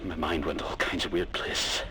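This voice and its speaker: A man playing a weary, frightened but stubborn survivor stranded on a spaceship, recording a halting, hushed audio log. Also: rumbling low, level tone, a little hiss or hum. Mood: brooding, weary. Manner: halting, hushed, breaking into whispers. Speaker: solo role-player playing a character. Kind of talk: in-character audio log narration.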